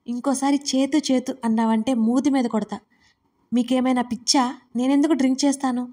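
Woman doing a grumpy hungover young girl, snappy and a bit high. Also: fairly even intonation, brisk. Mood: angry. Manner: complaining, sharp outbursts.

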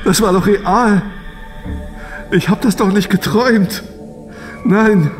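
A man acting as a distraught young space traveller in a sci-fi audio drama. His fairly high voice is halting, confused and emotional, stammering with self-doubt. Music plays clearly behind him. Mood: distraught disbelief.

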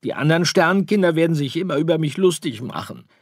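A man's voice: medium pitch, lively intonation, measured pace, husky, no echo, clean studio sound, voice pushed up. A man voicing a stubborn, whiny little boy star in an audiobook, pouting and complaining. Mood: tearful. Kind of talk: audiobook character voice.

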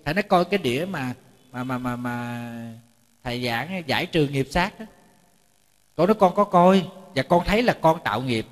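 A man's voice: on the high side, lively intonation, normal speed. A man, a Buddhist monk giving a chatty storytelling sermon, often repeating words and joking with his audience. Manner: jokes with the audience. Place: temple lecture hall. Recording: reverberant hall.

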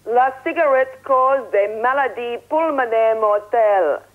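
A woman's voice: fairly high pitch, measured pace, narrow, tinny audio. A woman in her thirties with an Australian accent, telling a comic travel story in a wry, self-mocking way over a link to a TV studio. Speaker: comic correspondent. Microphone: earpiece link from a studio desk.

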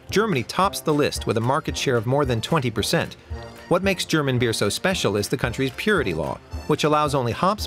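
A man reads a scripted news report in a steady, measured voice. His pitch moves freely up and down. Soft music plays beneath the narration. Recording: voice-over with faint music.

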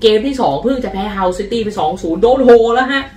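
A man's voice: sits high, fast, reverberant, recorded from a distance. Chatty man hosting a football vlog. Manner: chatty, lively storytelling. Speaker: football channel host. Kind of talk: casual football news vlog.

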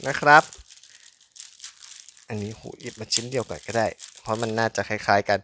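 A man's voice: mid-range voice, vocal fry, fairly bright tone. A man giving casual, chatty unboxing commentary in an informal but polite way. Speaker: toy unboxing channel host.

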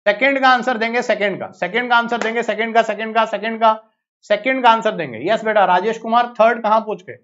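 Man, Indian accent, high pitch, brisk coaxing lecture style, repeats phrases, muffled lo-fi audio. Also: steady tone, a bit bright. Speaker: biology teacher. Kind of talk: live online exam-prep lecture. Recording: slightly dull lo-fi audio.

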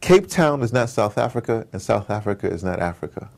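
Deep, gravelly man talking casually. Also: big pitch swings, brisk, darkish tone. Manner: emphatic, rambling, slangy, repeats himself. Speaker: interview guest, audio drama producer. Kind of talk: casual spontaneous conversation.

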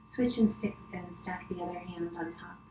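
Woman yoga teacher talking gently and slowly thru poses, pretty flat tone, echoey room w background noise. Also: fairly low pitch. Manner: gentle, unhurried, soothing cues with pauses. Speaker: yoga instructor. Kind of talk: guided yoga instruction. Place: wood-panelled living room, indoors. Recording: roomy echo, clear background noise, distant camera.

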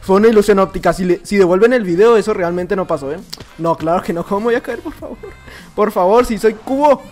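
A young man with a Mexican accent commenting on his own gameplay, excitable and prone to shouts and laughter, muttering to himself between bursts. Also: high voice, fast talker, faint music behind. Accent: Mexican Spanish. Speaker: gaming YouTuber. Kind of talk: live Minecraft gameplay commentary.

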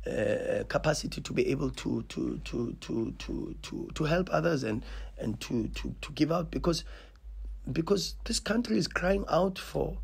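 The South African football coach, in his thirties, sounds fairly high-pitched, husky and a little mellow, with vocal fry. Seated at a table mic on a stand in a small press room, he passionately addresses the post-match press, repeating and restarting words for emphasis.

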